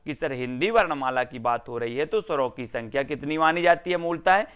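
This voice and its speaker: Bright, clear-voiced male Hindi teacher. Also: medium pitch, lively intonation, brisk. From India. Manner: repetitive, addresses students by name, answers own questions. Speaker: exam-prep Hindi teacher. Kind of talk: online class lesson.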